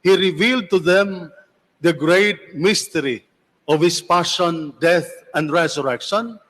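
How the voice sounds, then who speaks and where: A priest reading the gospel and preaching in a measured, solemn way, with cathedral echo around his voice. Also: on the high side, fairly bright tone. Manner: measured, solemn delivery with repeated phrases. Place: church. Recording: long church reverb.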